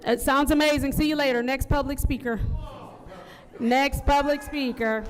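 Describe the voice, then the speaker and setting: A woman chairing a city council meeting, calling speakers in a brisk, procedural way. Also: high voice, fairly even intonation. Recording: long reverb of a council chamber.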